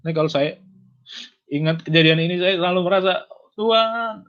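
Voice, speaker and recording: A man giving an earnest personal testimony, his voice climbing high and emotional as he relives a moment. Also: flat delivery, quick pace, dull audio.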